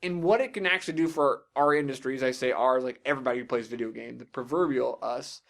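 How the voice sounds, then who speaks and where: A man's voice: mid-range voice, quick pace, creaky, a bit bright. A young man hosting a casual podcast discussion, swearing freely and giving blunt opinions. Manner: profane, opinionated. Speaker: podcast host.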